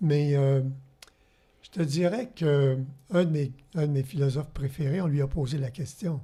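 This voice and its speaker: A man with a fairly high pitch and a dark, mellow tone speaks at a fairly slow pace, somewhat breathy, with big swings in loudness, long, frequent pauses and ordinary pitch variation. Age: 80s+. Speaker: engineer and philosopher. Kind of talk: interview. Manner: halting.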